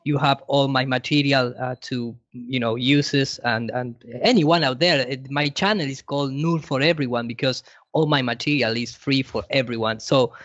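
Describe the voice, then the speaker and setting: A man with an Argentine Spanish accent, chatting casually in halting, non-native English as a guest. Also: mid-range voice, fairly bright tone, no echo, dull audio. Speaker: guest presenter. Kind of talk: casual panel chat.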